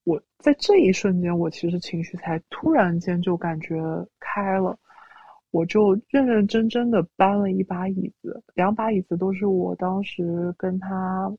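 Woman with a voice changer, gravelly. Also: medium pitch, normal speed, dry recording. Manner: recounts events, quoting her own words. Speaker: interview guest. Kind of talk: personal storytelling. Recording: dull lo-fi audio.

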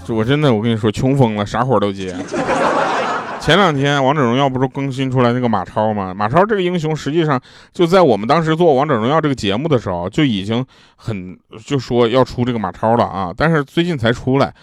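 A man's voice: medium pitch, lively intonation, quick pace, dry recording. Man, casual joke-telling, slangy asides, dry close sound. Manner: chatty storyteller, laughs at his own punchlines. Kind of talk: telling jokes and funny anecdotes.

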